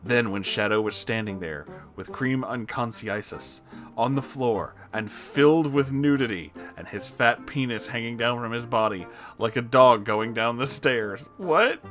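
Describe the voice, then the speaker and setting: Bright-voiced man reading aloud, incredulous. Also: medium pitch, animated, a little slow, soft background music. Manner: breaks into laughter, exclaims in disbelief. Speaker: host reading fan fiction aloud. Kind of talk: comedic dramatic reading with incredulous asides.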